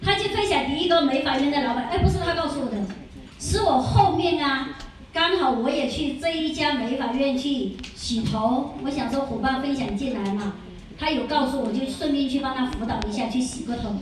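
A woman, a skincare consultant telling lively stories at a seminar, chatty and animated, laughing often and quizzing her audience. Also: high voice, brisk. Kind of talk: lively storytelling lecture. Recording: very echoey room from far off.

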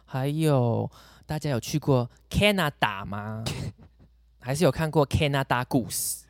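A man's voice: mid-range voice, expressive, takes it slowly, no room sound, studio quality. A man co-hosting a casual chat, explaining pronunciation points and teasing his partner. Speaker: podcast co-host explaining pronunciation.

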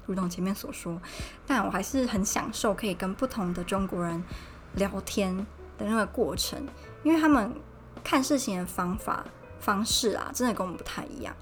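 Young woman from taiwan chatting on her podcast, mid pitch, bit of music behind. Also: normal speed. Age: young adult. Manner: chatty, recounts dialogue with animated quoted voices. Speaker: podcast host. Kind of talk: casual solo podcast storytelling. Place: Poland.

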